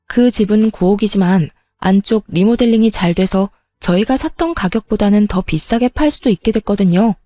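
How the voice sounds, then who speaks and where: A woman narrates her story in a scripted first-person reading. She is sharp and confrontational, with a warm, dark tone, a dry close sound and faint music underneath. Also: medium pitch, moderate pace, few pauses, no room sound.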